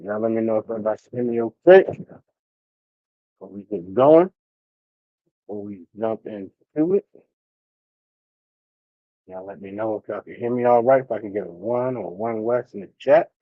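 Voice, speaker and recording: A man's voice: on the low side, moderate pace, long pauses, dry recording, narrow, tinny audio. A man teaching an online class, talking loosely with many fillers and restarts.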